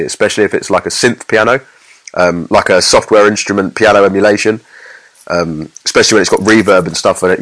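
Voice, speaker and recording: A man's voice: sits low, fairly bright tone. A man co-hosting a podcast as a mix engineer, giving casual technical explanations in an informal, rambling way full of examples.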